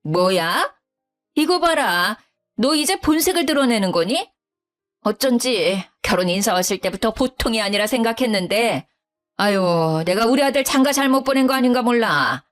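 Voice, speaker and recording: Woman doing a high-pitched, domineering older mother-in-law in an audio story, condescending and scolding. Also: expressive, moderate pace, faint music behind, close to an everyday voice. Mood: indignant.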